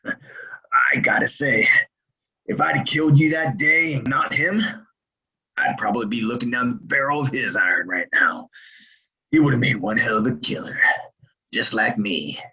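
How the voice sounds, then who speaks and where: An actor playing a cruel, dying outlaw in a Western audio play, taunting in a folksy drawl with a gravelly rasp. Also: male voice, medium pitch, moderate pace, pauses often, pushed and bright, muffled recording, full character voice. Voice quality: raspy, gravelly. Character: dying sadistic male Old West outlaw, taunting and remorseless.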